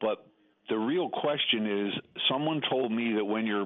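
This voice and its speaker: Here a man talks at a medium pitch with ordinary pitch variation, in an ordinary speaking voice. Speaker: caller. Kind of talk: call-in question. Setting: phone call.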